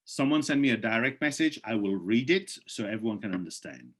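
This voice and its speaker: Man, hoarse voice, persuasive presenter, urging tone, question-and-answer session, computer mic on a video call. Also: fairly low pitch, animated, brisk. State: losing his voice. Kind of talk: live online presentation with questions from chat.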